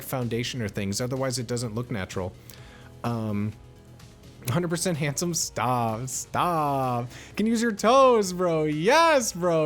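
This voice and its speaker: A man livestreaming, chatting casually with viewers in a slangy, rambling way, full of bro and homie. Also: fairly high pitch. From United States. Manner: slangy and laid-back, often saying bro and homie; rambling, with many fillers and restarts.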